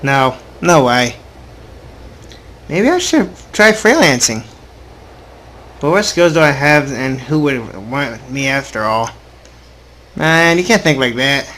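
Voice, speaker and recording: A man's voice: mid-range voice, big pitch swings, slow pace, long pauses, bright, forceful tone, a little hiss or hum. A young adult man hosting a casual gaming video, reading story text aloud informally with offhand asides and the occasional stumble.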